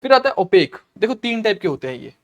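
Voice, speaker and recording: A man teaching exam vocabulary in a Hindi-English mix, explaining slowly, repeating words and checking in with "okay" as he goes. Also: high voice, very animated. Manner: clears throat often.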